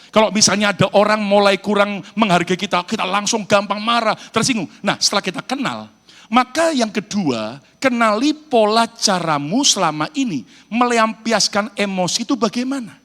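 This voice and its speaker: A man from Indonesia preaching a sermon as pastor, animated and calling out to his congregation. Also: sits high. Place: church hall in New York. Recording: reverberant church hall.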